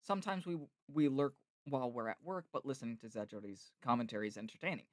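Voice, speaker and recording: Brief: laid-back male streamer, self-mocking, lively pitch, dry close mic. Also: fast talker, dry recording. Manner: relaxed, playful, self-mocking. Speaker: streamer and voice actor. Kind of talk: casual chat.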